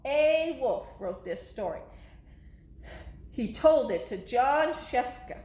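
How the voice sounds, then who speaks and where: A woman's voice: high voice, animated, slow pace, a little mellow, echoey room. A middle-aged woman presenting a children's story time, speaking directly to young listeners with questions. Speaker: library story time host.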